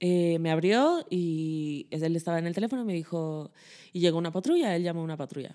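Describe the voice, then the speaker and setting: With an unremarkable speaking voice, a woman talks at a fairly quick pace and medium pitch, her pitch varying an ordinary amount, on a very clean recording with a silent background. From Mexico, Cancún (born Acapulco). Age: 30s. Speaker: stand-up comedian. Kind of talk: casual chat.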